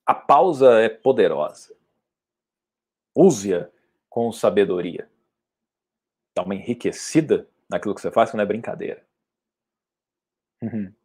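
Male oratory trainer, casual Q&A teaching, emphatic with loud bursts. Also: fairly low pitch, measured pace, pauses often, breathy edge. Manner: lively and emphatic, with sudden loud outbursts. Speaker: public speaking and NLP trainer. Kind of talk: casual teaching, answering audience questions.

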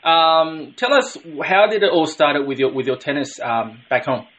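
A man's voice: on the high side, very animated, normal speed, fairly bright tone. Rambling Australian male podcast host. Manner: rambling questions with many restarts. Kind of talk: casual interview.

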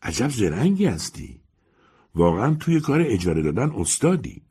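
A man voicing a gossipy middle-aged landlady in an audiobook story, speaking in a flattering, conspiratorial way. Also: on the low side, husky, pitched above the performer's own voice, heavily acted.

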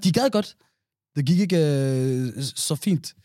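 A man's voice: a little high, animated, mellow, dry recording, clean studio sound. A man co-hosting a podcast in casual chat, talking reflectively and steering the topic, with some English words mixed in. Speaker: podcast co-host.

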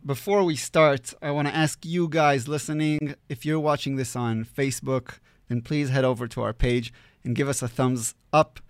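A man's voice: medium pitch, steady tone, normal speed, hardly any pauses, clean tone, dry recording, studio quality. A man hosting a podcast panel, chatty and a little self-deprecating. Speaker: podcast host.

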